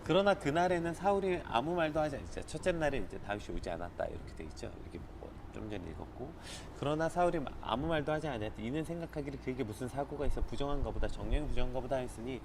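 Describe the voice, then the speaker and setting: A man leads a live morning Bible study, reading passages aloud and explaining them in a relaxed, conversational way. His voice sits in a middle register, and his explanations are sprinkled with filler words. Clear traffic noise from outside runs behind his voice. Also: mid-range voice, fast talker, hardly any pauses.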